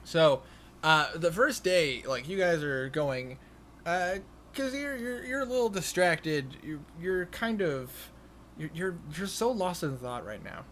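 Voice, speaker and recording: A man improvising narration as game master of a tabletop game, haltingly repeating and restarting his phrases. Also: fairly high pitch, lively intonation, fairly bright tone. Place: online voice call. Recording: noisy home voice-chat recording.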